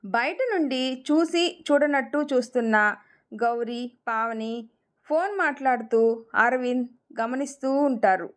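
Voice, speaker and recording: A woman narrating a romantic family story, reading it aloud in an expressive storyteller's manner. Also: fairly high pitch, a little slow.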